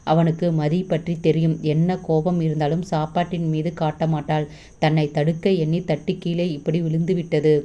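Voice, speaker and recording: A woman reading a romance novel aloud as storyteller, steady and measured. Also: low voice. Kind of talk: scripted novel narration. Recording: slightly dull lo-fi recording.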